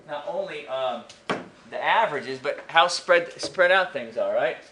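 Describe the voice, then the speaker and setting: Guy teaching math to teens, loose and chatty, way off mic in a really echoey room, bit of room hum. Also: fairly high pitch. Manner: chatty, animated, keeps asking "right?". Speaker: high school math teacher. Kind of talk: casual classroom lecture. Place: classroom. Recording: distant echoey classroom recording.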